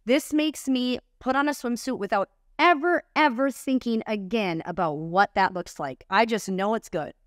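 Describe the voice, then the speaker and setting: A woman's voice: on the high side, normal speed, hardly any pauses, dry recording, clean studio sound. A woman hosting a podcast, speaking candidly and confessionally in casual chat, often restarting her sentences. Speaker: podcast host.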